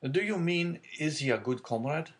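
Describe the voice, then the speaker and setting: A man reading aloud and voicing a genial, fatherly older shipowner in a hearty, booming manner. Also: expressive, moderate pace, natural voice. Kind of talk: audiobook character reading.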